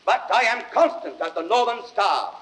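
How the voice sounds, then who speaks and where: An actor playing a proud, unbending, imperious Roman ruler with grandiose declamation in a 1930s radio Shakespeare style. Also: male voice, high-pitched, very animated, normal speed, a bit bright, recorded from a distance, rough recording. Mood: haughty, unyielding. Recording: crowd clamour on old radio recording.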